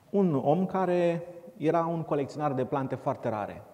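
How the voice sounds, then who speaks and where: In a room with audible echo, a man with a fairly high pitch and a dark, mellow tone speaks at a moderate pace with ordinary pitch variation. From Romania. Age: 20s. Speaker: lay preacher. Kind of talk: sermon. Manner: hesitant, with fillers.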